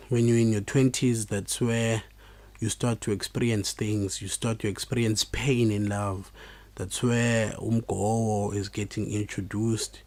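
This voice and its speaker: Low-voiced man with a Xhosa accent. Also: darkish tone, no echo. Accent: Xhosa South African. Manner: halting, reflective delivery with repeated words. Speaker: podcast host. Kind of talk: informal solo podcast talk, mixing two languages.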